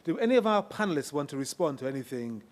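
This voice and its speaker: A man moderating a panel discussion, brisk and keeping speakers short. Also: a little high, sing-song.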